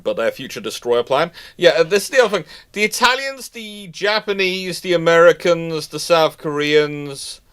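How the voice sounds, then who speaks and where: A man's voice: a little high, expressive, moderate pace, hardly any pauses, a bit bright, clean tone. A British man hosting a live question-and-answer stream, giving informal, discursive and opinionated expert commentary with repeated points. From United Kingdom.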